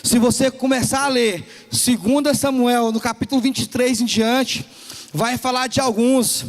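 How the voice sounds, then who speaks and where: A man's voice: very high voice, steady tone, a little slow. A young man with a Brazilian Portuguese accent, preaching a sermon to a youth service, telling stories with playful humor. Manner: storytelling with playful humor, acts out voices. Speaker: pastor. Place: church hall.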